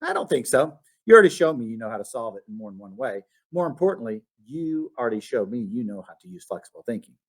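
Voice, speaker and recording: A man's voice: medium pitch, big pitch swings, fast talker, few pauses, breathy edge. A man voicing a patient female math teacher in a storybook, encouraging and instructive. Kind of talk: storybook read-aloud.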